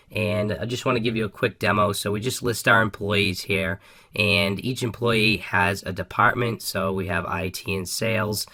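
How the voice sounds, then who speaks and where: Coding tutorial host, male, low-ish voice, bright and slightly raspy, casual walkthrough delivery. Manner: upbeat, casual, frequent ums and restarts. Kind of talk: screen-recorded coding walkthrough.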